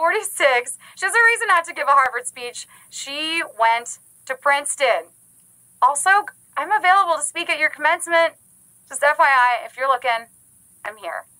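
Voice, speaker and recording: A woman with an American accent speaks at a fairly slow pace in a raised, projected voice, her tone bright, sharp, animated and bubbly. Her pitch swings very widely against a quiet background. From US. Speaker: game show host. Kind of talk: live trivia game show hosting, scripted banter. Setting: live streamed app game show, studio. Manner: animated, bubbly, playful and quippy. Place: studio.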